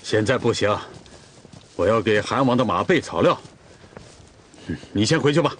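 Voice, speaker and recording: An actor playing a dutiful young Torghut man in a costume drama who scolds firmly and then soothes gently. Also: fairly low pitch, animated, moderate pace, slight background noise, natural voice. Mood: stern. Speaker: Torghut herder tending the khan's horses. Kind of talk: television costume drama dialogue.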